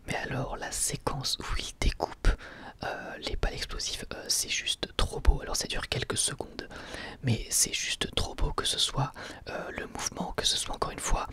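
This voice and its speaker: Male ASMR reviewer: sustained whisper, bright edge, casual halting phrasing. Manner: whispering throughout, hesitant informal delivery. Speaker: ASMR YouTuber reviewing anime.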